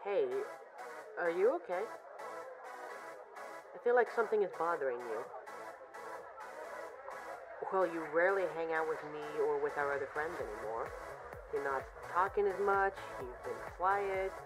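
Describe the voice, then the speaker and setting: A woman playing a caring, worried best friend in an audio roleplay, speaking in an earnest, soothing, gently insistent way. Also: deep voice, expressive, moderate pace, music in the background, low-quality recording. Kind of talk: roleplay audio drama monologue, intimate comforting.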